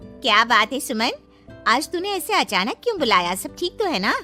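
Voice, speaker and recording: A woman's voice: a little high, big pitch swings, normal speed, bright, forceful tone, soft background music, pitched above the performer's own voice. A woman voicing a friendly, concerned middle-aged neighbor in a cartoon story.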